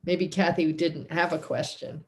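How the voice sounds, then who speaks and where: A woman's voice: fairly low pitch, little pitch movement, measured pace, slight background noise. A woman instructor wrapping up an online class over a video call, chatty and apologetic, often laughing. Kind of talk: casual wrap-up of an online class. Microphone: computer mic on a video call.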